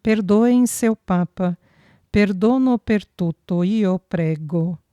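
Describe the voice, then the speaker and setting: A stern old Italian father, blunt and then humble, dropping words from his home tongue, as a woman narrator plays him. His delivery is slow and the tone dark and mellow. It is an audiobook dialogue role. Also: mid-range voice, no echo, muffled recording, close to an everyday voice. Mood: humble, firm. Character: older Italian immigrant father, stern but repentant.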